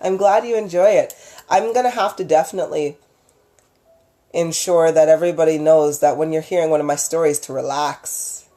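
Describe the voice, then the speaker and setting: A woman with a somewhat low-set voice talks casually to her livestream audience. She is a storyteller hosting the session, informal and effusive. She addresses viewers one by one with affectionate pet names. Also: normal speed, warm tone. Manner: gushing, informal, uses endearments like sweetie. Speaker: livestream host, storyteller and psychic healer.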